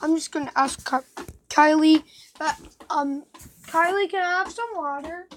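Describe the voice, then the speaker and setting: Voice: high voice, measured pace, a bit bright, slight background noise. A reaction video maker chatting casually while watching a video.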